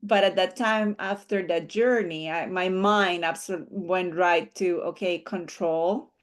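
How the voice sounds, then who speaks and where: A woman's voice: on the low side, steady tone, slow. A woman taking part in a meditation session, earnestly describing her experience in casual chat and searching for words as she goes. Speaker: session participant.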